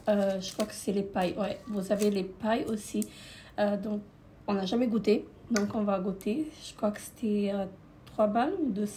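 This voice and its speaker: A woman's voice: mid-range voice, darkish tone. A woman vlogger casually showing her holiday purchases indoors, hesitating often with filler sounds. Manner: hesitant, many filler sounds, repeats "comme ceci". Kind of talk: casual holiday haul vlog. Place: indoors at a holiday rental near the beach. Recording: crinkling packaging noise close by.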